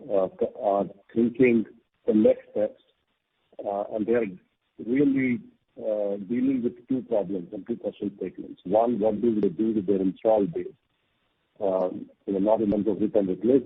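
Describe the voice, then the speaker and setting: A male company executive giving a halting, jargon-filled answer on a corporate earnings call. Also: on the low side, husky. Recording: narrowband phone conference line.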